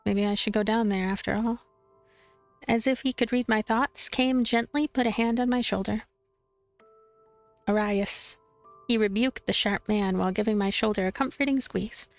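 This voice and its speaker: A woman reading a visual novel aloud as a let's play streamer, expressive and playful, with commentary. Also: medium pitch, moderate pace, no echo. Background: game music.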